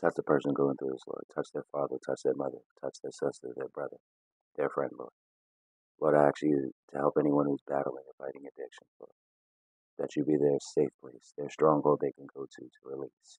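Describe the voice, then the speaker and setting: A man talks at a fairly quick pace with big swings in loudness. The sound is dry with no echo, and the background is quiet. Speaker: prayer video creator. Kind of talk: fervent prayer; spoken prayer led for online viewers. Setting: video to camera. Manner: fervent, pleading, repetitive 'Lord' refrains; earnest, rhythmic, preacher-like cadence. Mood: earnest, prayerful, calm. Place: home room. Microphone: phone near.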